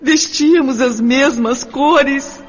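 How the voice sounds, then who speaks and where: Woman acting a slow, sorrowful young orphan, heavy reverb. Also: high-pitched, soft background music. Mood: wistful. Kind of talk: radio drama acting. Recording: dull audio with long reverb.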